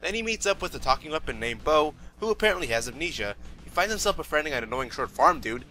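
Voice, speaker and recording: A man's voice: a little high, big pitch swings, quick pace, loud music behind the voice. A man giving a casual, opinionated video review as host, irreverent, sarcastic and slangy in his delivery.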